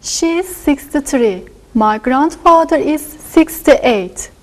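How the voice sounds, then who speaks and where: A woman's voice: high-pitched, animated, takes it slowly, low-quality recording. A woman serving as a class assistant, answering the teacher with short, careful replies.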